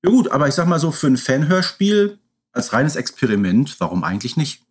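Husky-voiced man chatting as podcast co-host. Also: a little high, very animated, a little fast. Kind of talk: casual podcast conversation about audio dramas.

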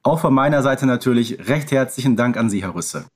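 A man with a medium-pitched voice co-hosts a podcast interview. He talks conversationally, stressing his points with politely formal wording. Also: lively intonation, fairly quick. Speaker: podcast co-host.

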